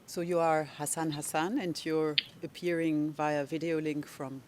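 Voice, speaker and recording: A lawyer for victims in a courtroom, speaking slowly and deliberately while explaining procedure and questioning a witness. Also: medium pitch, steady tone, background noise. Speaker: legal representative of victims.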